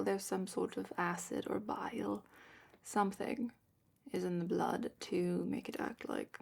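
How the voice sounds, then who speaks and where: A woman playing a calm, matter-of-fact dragon expert in a hushed, partly whispered fantasy ASMR roleplay, explaining without hurry in a breathy voice. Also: mid-range voice, heavily acted.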